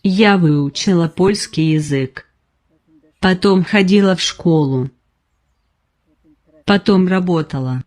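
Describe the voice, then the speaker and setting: Very old woman, slow and plain. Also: fairly low pitch, darkish tone. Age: 90s. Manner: short simple sentences, unhurried. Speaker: patient interviewee. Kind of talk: slow personal testimony.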